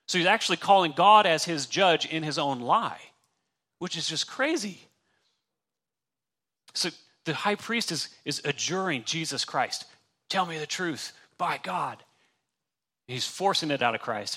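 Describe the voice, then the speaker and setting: A man delivers a sermon with a bright, clear tone. He talks in an easy, conversational way, leaning hard on key words and acting out the lines he quotes. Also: medium pitch. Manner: conversational, emphatic, acts out quotes. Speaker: pastor.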